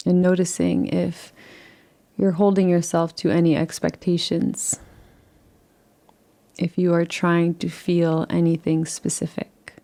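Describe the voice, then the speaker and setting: A woman leading a guided relaxation in a soft, unhurried, soothing way, gently inviting rather than instructing, with long pauses between phrases. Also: on the low side. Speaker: meditation guide.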